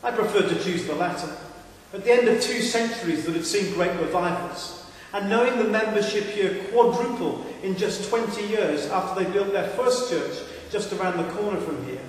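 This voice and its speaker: A Welsh pastor from South Wales speaks earnestly and asks rhetorical questions as he introduces a sermon series. His voice sits a little high for a man. He was recorded in a large empty church with a long, roomy echo. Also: moderate pace, distant mic. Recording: echoey church hall.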